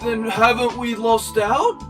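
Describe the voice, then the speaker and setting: A man voicing a dim, hesitant, childlike video game thug with a goofy, halting, stammering delivery. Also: very high-pitched, fairly even intonation, recorded from a distance, music in the background.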